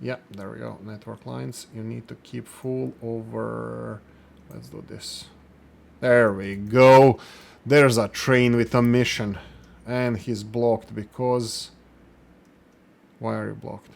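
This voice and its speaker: A man's voice: medium pitch, flat delivery, slow pace, vocal fry, a little mellow, slight background noise. A man from Croatia commenting casually over his own gameplay, rambling with many fillers and restarts, self-deprecating. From Croatia (Slavonia). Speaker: gaming channel host. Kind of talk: casual let's play commentary.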